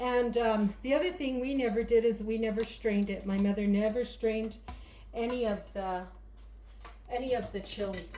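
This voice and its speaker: With audible room echo around her, a woman speaks in an animated tone at a fairly high pitch and a fairly slow pace with ordinary pitch variation. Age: 60s. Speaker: cooking channel host. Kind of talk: cooking tutorial. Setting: home patio. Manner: chatty, animated.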